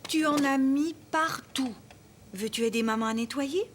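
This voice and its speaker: A woman voicing a gentle, patient young mother in a children's cartoon, speaking in a soothing, instructive way. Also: high voice, measured pace, a little hiss or hum. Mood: surprised, patient.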